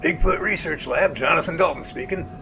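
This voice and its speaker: A man playing a jovial, earnest research professor in an amateur audio drama, with animated, folksy phone talk. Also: a little high, fairly quick, background noise, close to an everyday voice. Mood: thoughtful.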